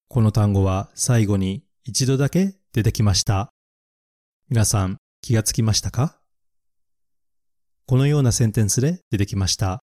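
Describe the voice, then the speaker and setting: A man teaching English vocabulary from a picture book in a slow, deliberate podcast lesson. His voice is low and mellow and he pauses to repeat each word. The sound is close and dry. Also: no room sound. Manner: slow and careful, repeating English words for learners.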